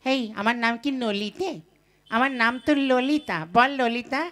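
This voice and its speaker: A woman voicing the proud young daughter of a rich landlord in a puppet show, scolding and quick to take offence. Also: a little high, pitched above the performer's own voice, close to an everyday voice. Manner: sharp-tongued, scolding.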